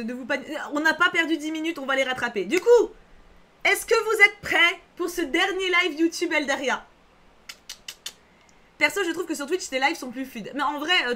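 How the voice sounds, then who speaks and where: Bright high-voiced woman streamer, chatty. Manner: chatty, reads chat aloud, frequent fillers; reassuring, repeats herself. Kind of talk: casual live-stream chat.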